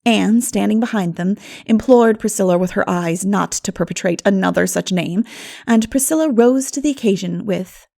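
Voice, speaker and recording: A woman reading a classic novel as an audiobook narrator, in an expressive storytelling manner. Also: medium pitch, normal speed, gravelly. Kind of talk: scripted literary narration.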